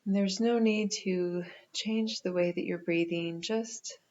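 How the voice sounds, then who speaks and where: Woman, meditation guide, very slow pacing, even flat intonation, gentle delivery, dull muffled recording. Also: lowish voice. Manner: gentle, unhurried, with pauses.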